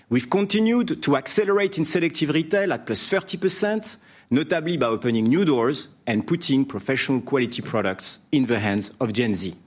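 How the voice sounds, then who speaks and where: A man delivering a formal, prepared business presentation as a company executive, in measured scripted phrases. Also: on the high side. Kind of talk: prepared earnings presentation speech.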